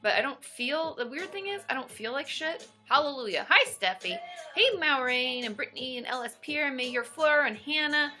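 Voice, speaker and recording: Bright, chatty woman with a cold. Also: sits high, moderate pace, faint music behind. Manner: chatty, greets viewers by name, excitable. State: stuffed up from a cold, tired. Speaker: therapist and livestream host. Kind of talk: casual livestream chat.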